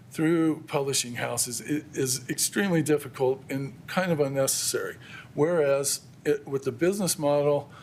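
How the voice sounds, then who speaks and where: A man's voice: medium pitch, darkish tone, a little hiss or hum. An American man giving an extemporaneous public comment at a council meeting. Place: council chamber.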